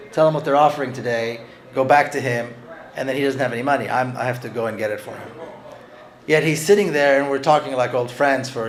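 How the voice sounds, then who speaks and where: A man talking earnestly about his book, often restarting his phrases. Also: mid-range voice. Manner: earnest, halting with frequent restarts. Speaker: author discussing his book. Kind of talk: conversational talk with read-aloud passages.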